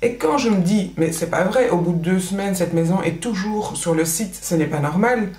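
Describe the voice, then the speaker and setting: This is a Belgian woman in her thirties, a pregnant vlogger whose first language is Dutch, talking with a Belgian French accent at normal speed. Her voice sits on the low side and is a little mellow, and the room is reverberant. She chats casually while doing makeup, with lots of fillers and restarts.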